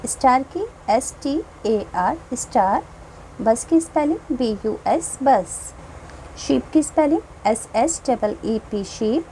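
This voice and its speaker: A woman's voice: on the high side, mellow, slight background noise, low-quality recording. A woman teaching young children from a textbook, patiently explaining and spelling words out letter by letter. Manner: patient, slow, reads English lines very slowly and spells words letter by letter.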